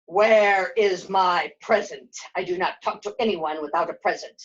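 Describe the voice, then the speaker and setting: A woman voicing a grumpy, imperious old male dragon in a puppet show, with slow, drawn-out proclamations. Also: fairly low pitch, lightly acted. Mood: demanding. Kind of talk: puppet show character acting. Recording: dull, lo-fi sound.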